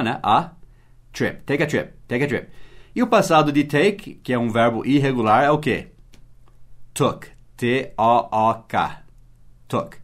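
Man teaching English, spelling words out. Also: medium pitch. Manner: explains patiently, spells words out letter by letter; asks frequent rhetorical checks. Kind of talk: podcast language lesson.

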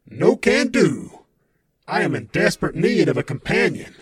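A man's voice: on the high side, very animated, normal speed, slightly rough, no echo, exaggerated voice. A man voicing a menacing, power-hungry male villain in a read-aloud story, gloating and threatening. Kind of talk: storybook reading.

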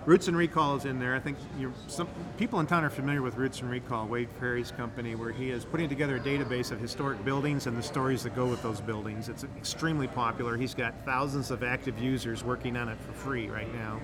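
A man from the Midwest who directs an incubator is interviewed on a laid-back podcast, talking fast with few pauses in a steady, mid-range voice. Enthusiastic and rambling, he explains things at length and frequently starts over. Crowd noise runs behind him.

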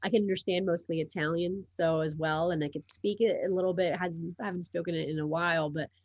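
Her voice is on the low side, a little mellow, with fairly even intonation and a fast pace, captured in a dry recording. She's a Miami-based sports publisher whose first language is Portuguese, talking chattily as a podcast guest in a casual interview, with plenty of ums and restarts.

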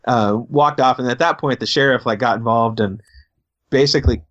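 Male pastor, casual storyteller, halting delivery, average pitch, dull lo-fi recording. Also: fairly bright tone. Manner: halting, repeats words as he talks.

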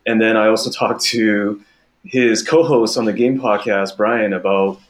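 A man's voice: fairly low pitch, steady tone, unhurried. A man in his thirties from Taiwan, a podcast guest talking in a casual, thoughtful way with small restarts. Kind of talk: casual interview chat.

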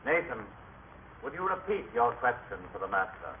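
A man's voice: medium pitch, big pitch swings, moderate pace, lightly acted. Radio drama moderator: male actor as a formal temple official, announcing on a tinny, faintly noisy recording. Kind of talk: vintage radio drama acting.

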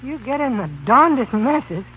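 An actor playing a skeptical, wisecracking young American college student with sarcastic, mock-formal quips in a 1930s radio comedy. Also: male voice, very high voice, animated, normal speed, husky, phone-quality sound, exaggerated voice. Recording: thin, noisy 1930s radio broadcast.

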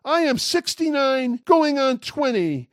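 Guy in his sixties doing his podcast monologue, fairly high voice, dry close sound, jokey. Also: slow pace, no echo. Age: 60s. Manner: wry, animated, joking. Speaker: podcast host. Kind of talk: solo talk show monologue.

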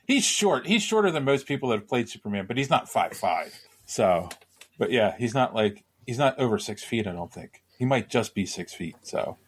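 A man's voice: medium pitch, sing-song, moderate pace, breathy edge. A man hosting a casual podcast chat, rambling and hedging his points and laughing often. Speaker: podcast host.

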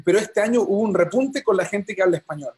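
A man's voice: sits high, animated, fast, a little mellow, slightly rough. A man interviewing a coach, encouraging and using many fillers. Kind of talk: interview questions.

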